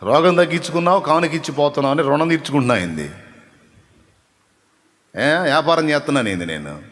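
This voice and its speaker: A male pastor preaching a Sunday sermon, emphatic, building to loud repeated phrases and dropping back to quiet asides. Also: fairly high pitch, expressive, fast talker. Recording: echoey hall reverb.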